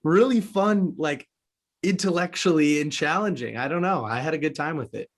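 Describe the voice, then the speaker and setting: A man's voice: fairly high pitch, moderate pace. A man from the United States hosting a conversational podcast interview, musing reflectively at length.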